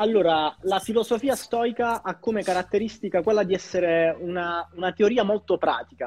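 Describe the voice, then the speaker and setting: Hardly pausing, a man speaks in a high voice with ordinary pitch variation. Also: moderate pace. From Basilicata, southern Italy. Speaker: guest, book enthusiast. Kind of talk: casual chat about books. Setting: video call.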